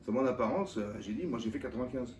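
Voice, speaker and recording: Male rabbi, informal Torah class, animated, keeps quizzing the audience; roomy, distant recording. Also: medium pitch, racing. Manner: colloquial and animated, firing rhetorical questions at listeners. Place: lecture room with live audience. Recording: echoey room, mic at a distance, faint background noise.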